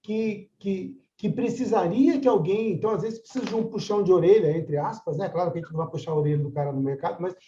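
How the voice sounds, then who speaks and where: A man's voice: high-pitched, quick pace, hardly any pauses, mellow, roomy sound, lo-fi sound, a little hiss or hum. An older man mediating a religious study class, talking conversationally and often asking "right?" of his listeners. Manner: conversational, frequent tag questions. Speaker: course mediator.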